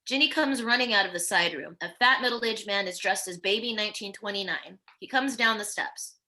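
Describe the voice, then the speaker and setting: A woman's voice: mid-range voice, a little fast, bright, forceful tone. A woman reading stage directions as scripted narration at a virtual table read.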